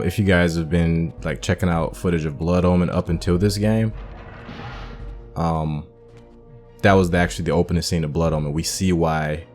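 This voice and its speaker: A young man with a very low voice talks through gameplay in a relaxed, explanatory way, dropping fillers as he goes. Faint game music sits underneath. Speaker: gaming channel host. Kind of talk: casual gameplay commentary.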